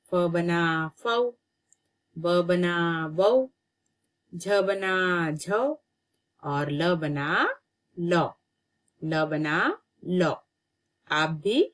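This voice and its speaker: A woman teaching young children to read. Her voice sits a little low, and she stretches each syllable out very slowly. She repeats every word with patient care. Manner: slow, drawn-out syllables, patient repetition. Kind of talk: children's reading lesson.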